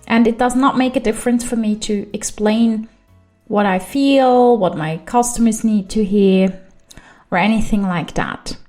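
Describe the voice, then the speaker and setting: A Swiss German-accented woman talks through her own podcast episode on her own, her voice sitting a little high. She rambles in a relaxed, chatty way and corrects herself mid-sentence. Soft music plays faintly behind her. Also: unhurried. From Switzerland. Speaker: podcast host. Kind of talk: solo podcast monologue.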